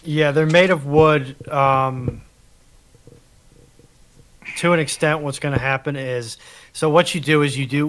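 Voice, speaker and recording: A man giving unscripted technical explanations in a measured, halting way, as a panellist on a live stream. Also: mid-range voice, fairly bright tone.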